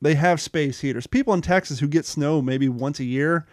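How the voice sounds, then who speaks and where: A man's voice: a little high, normal speed, darkish tone, no echo, studio quality. A man hosting a casual talk show, reading news aloud in an easygoing way with fillers like "um" and "uh". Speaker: host.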